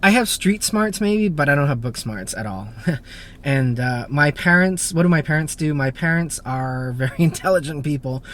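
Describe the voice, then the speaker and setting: A man's voice: on the high side, lively intonation, moderate pace, fairly bright tone, slight background noise. A man in his thirties, born in Japan and raised in the United States, hosting a casual Q&A with lots of fillers and self-deprecating asides. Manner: chatty, self-deprecating, many fillers and restarts. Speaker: YouTube car channel host. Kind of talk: casual Q&A to camera.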